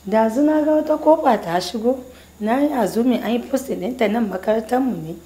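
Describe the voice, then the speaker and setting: Soft-toned deferential Hausa teacher played by a woman. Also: fairly high pitch, fast, close to an everyday voice. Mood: respectful. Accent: Nigerian Hausa. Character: respectful female teacher petitioning her superior. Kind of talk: TV drama acting. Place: small bare office indoors.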